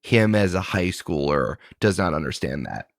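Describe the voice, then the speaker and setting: A man's voice: deep voice, animated, normal speed, no room sound, studio quality. A man in his thirties, a podcast host and game master, talking in a reflective, thinking-aloud way in casual chat. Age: 30s.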